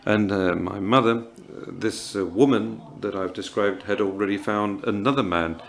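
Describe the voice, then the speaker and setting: A man in his fifties from Morocco, speaking at a writers' panel in a halting, earnest way, with many pauses and fillers. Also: fairly low pitch, fairly even intonation, vocal fry. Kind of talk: reflective festival panel talk.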